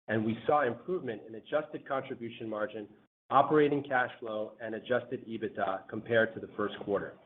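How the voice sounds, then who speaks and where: A man reads a scripted corporate earnings presentation as a company executive, in a formal, measured way. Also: medium pitch. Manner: formal, measured read-out delivery. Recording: phone-like conference line with faint noise.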